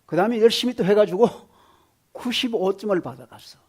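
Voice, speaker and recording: A pastor preaching a sermon in a church, telling stories and swinging between hushed asides and loud emphasis. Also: male voice, high-pitched, brisk, husky. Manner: storytelling, shifting from hushed to loud. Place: church sanctuary.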